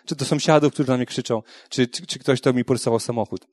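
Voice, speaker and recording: A man's voice: medium pitch, quick pace, a little mellow, no room sound, studio quality. A man giving a frank, earnest personal testimony about faith, talking conversationally with frequent tag questions and restarts.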